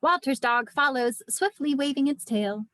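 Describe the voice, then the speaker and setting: A woman with a high voice reads screenplay directions aloud. The sound is dry, with little room around it. It is scripted narration for a table read. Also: expressive, normal speed, a bit bright, no room sound.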